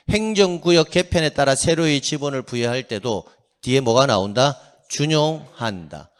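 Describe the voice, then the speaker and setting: A middle-aged man lecturing on exam prep, often asking a question and answering it himself, drilling his students to repeat key phrases aloud, and adding joking asides. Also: on the high side. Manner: animated, asks and answers his own questions.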